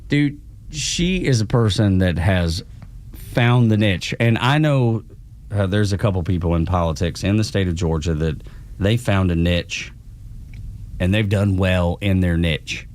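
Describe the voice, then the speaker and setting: A man's voice: low voice, measured pace, darkish tone. A man with an Appalachian accent co-hosts a radio show, chatting casually in folksy, colloquial language. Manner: folksy, colloquial turns of phrase. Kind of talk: casual political talk and banter.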